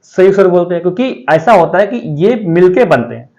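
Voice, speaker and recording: A man's voice: sits high, animated, fairly quick, darkish tone, highs cut off. A man teaching grammar for an exam, who asks the class questions and answers them himself. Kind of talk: exam-prep lecture.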